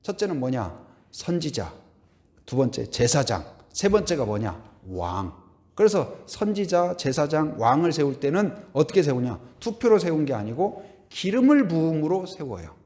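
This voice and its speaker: A man's voice: fairly high pitch, moderate pace. A middle-aged man preaching a Sunday sermon as pastor, asking the congregation questions and now and then humming or singing a hymn line. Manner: animated, asks the congregation questions, hums and sings hymn lines.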